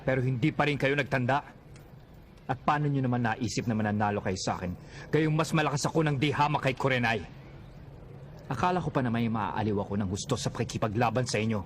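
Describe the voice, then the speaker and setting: A man's voice: medium pitch, fairly bright tone, a little hiss or hum, lightly acted. A man voicing an arrogant, menacing villain in an anime dub, taunting and scornful. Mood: contemptuous. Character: arrogant, taunting male villain who commands a flame servant. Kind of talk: Tagalog anime dub acting.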